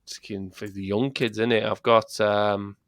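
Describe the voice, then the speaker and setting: A man's voice: lowish voice, little pitch movement, normal speed, slight background noise. A middle-aged man with an English accent bantering bluntly and casually as a podcast co-host, full of matey slang.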